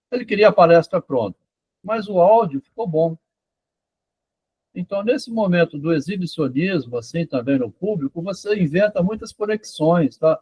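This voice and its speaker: A husky man with a slightly high voice chats at length in a casual, meandering way, often tagging his sentences with little checks to the listener. The sound is dry and close, with no room around it. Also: darkish tone, dry recording, highs cut off. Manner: rambling, frequent "tá?" and "né?" checks. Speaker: author discussing his doctoral thesis. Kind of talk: casual conversation about psychoanalysis and literature.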